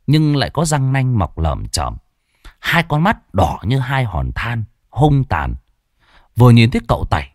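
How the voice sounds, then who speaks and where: A man narrating a folk ghost story in an expressive, animated way. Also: mid-range voice, breathy edge, dry recording, clean studio sound.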